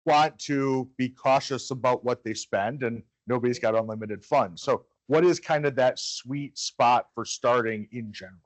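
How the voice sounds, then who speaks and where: A man's voice: medium pitch, moderate pace, few pauses, no room sound, rough recording. Hesitant man moderating a panel. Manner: hesitant, repeats words while framing questions. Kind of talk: panel discussion. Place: event room with live audience.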